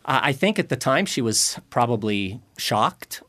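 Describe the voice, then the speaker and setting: A man's voice: mid-range voice, very animated, measured pace, fairly bright tone, no room sound. A man in his forties from Lebanon, a guest on a radio interview, telling his story earnestly with some fillers. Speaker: radio guest, publishing president. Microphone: studio microphone.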